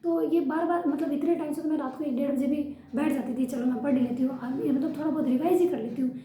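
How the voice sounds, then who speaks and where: A woman's voice: high-pitched, fairly even intonation, fast talker, mellow, echoey room. A young woman chatting frankly in a casual home vlog about her studying habits. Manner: chatty, frank, uses yaar often. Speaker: vlogger studying for a teaching exam. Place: room at home.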